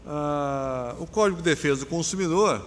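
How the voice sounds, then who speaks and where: A man's voice: a little high, moderate pace, a little hiss or hum. A man with a Brazilian Portuguese accent moderating a conference panel in a formal way, often adding tag questions. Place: large conference hall. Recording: long hall reverb.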